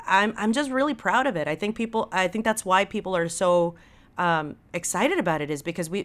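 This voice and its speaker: A woman's voice: lowish voice, a bit bright. Emphatic, enthusiastic woman podcast guest. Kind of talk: casual conversational podcast talk.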